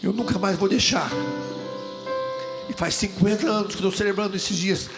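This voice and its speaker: An older Brazilian man, a deacon, giving a lively testimony to a live audience, telling stories and joking with the crowd. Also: high-pitched, normal speed, creaky, music in the background. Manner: lively storytelling, jokes and asides to the crowd.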